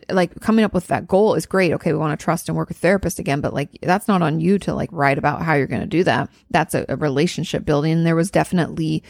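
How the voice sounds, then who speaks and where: A woman hosting a question-and-answer show, answering viewer letters in a gentle, reflective way, with many fillers and therapy terms. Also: low-pitched, creaky, dry recording, clean studio sound. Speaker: host answering viewer questions on mental health. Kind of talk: casual advice chat.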